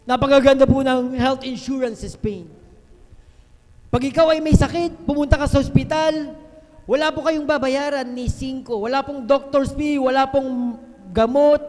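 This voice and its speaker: A man giving a fervent testimony at a worship service, repeatedly addressing the congregation and breaking into loud hallelujahs. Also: very high-pitched, steady tone, normal speed. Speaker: church member giving testimony. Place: church worship hall. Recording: long hall reverb on a live stream.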